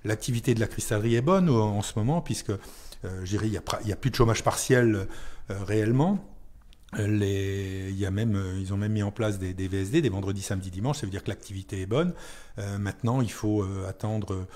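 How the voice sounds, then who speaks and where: A man's voice: on the low side, fast, a little mellow. A man speaking as a town mayor in an unscripted radio interview, hesitating and repeating words as he searches for phrasing.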